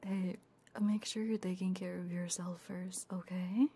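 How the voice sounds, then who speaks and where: Woman streamer, slow, soft and mellow. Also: on the low side, flat delivery, breathy edge. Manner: giggly, bantering. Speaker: livestreamer and ASMR host. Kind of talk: casual livestream chat with viewers; ASMR, often slipping into soft whispers.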